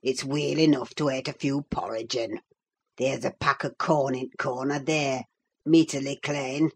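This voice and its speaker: A surly old manservant, voiced by a woman reading a novel aloud, growls in broad Yorkshire dialect. His voice sits far lower than hers, slow and sneering. It is a gruff, drawling storybook figure. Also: fairly even intonation, a little mellow, full character voice. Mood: mocking. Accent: Yorkshire dialect put on. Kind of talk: audiobook reading.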